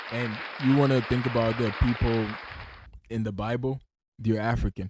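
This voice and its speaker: Music in the background behind a man at medium pitch, monotone and flat in intonation, at a moderate pace. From Ghana. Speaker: podcast guest. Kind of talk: casual chat.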